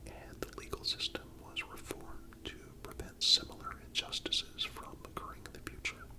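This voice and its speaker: A narrator giving a calm, scripted ASMR history narration in a breathy, unvoiced whisper with measured, deliberate phrasing. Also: low-quality recording. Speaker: narrator and channel host.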